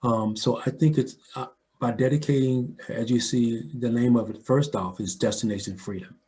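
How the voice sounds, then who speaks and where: A man's voice: medium pitch, steady tone, moderate pace, dark tone, a little hiss or hum. An older American man talking reflectively in a conversational interview, telling stories and often checking in with the listener. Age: older, 60s or above. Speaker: audio dramatist and filmmaker, interview guest.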